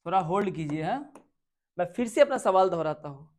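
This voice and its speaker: A man with an Indian accent teaching an exam-prep grammar lesson, repeating points and putting questions to his students, and reading English sentences out slowly word by word. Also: sits high, lively intonation.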